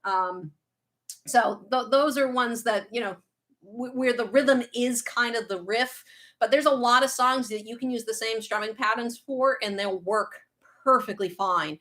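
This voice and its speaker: A woman in her thirties with a faint Boston accent speaks in a slightly high, fairly bright voice. She's a guitar teacher chatting casually on a livestream, answering viewer questions, reading out their comments and tossing in quick asides.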